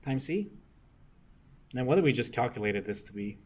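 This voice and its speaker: A man's voice: medium pitch, very animated, normal speed. A young man working circuit homework problems for a class, often asking "right?" to check that students follow. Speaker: engineering discussion instructor.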